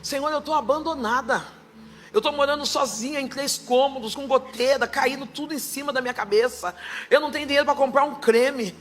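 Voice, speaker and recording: A woman pastor giving her testimony in church, her fervent preaching swelling into loud proclaiming. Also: high-pitched, fairly quick, a little hiss or hum.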